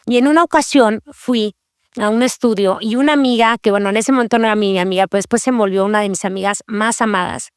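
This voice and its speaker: A woman's voice: medium pitch, fast, clean tone, no echo, studio quality. A woman hosting a Christian devotional podcast, speaking earnestly and confessionally and repeating key phrases. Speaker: podcast host.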